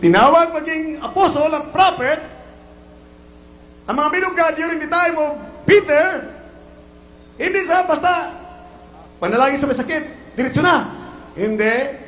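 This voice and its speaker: A Filipino man preaching a fiery sermon as pastor, breaking into shouted exclamations. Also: very high voice, unhurried, long pauses, reverberant, slight background noise.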